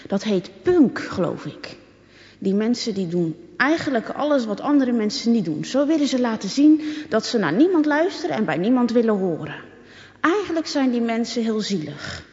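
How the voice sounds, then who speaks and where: A woman voicing a calm father who explains things thoughtfully. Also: a little high, moderate pace. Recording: echoey, dull recording.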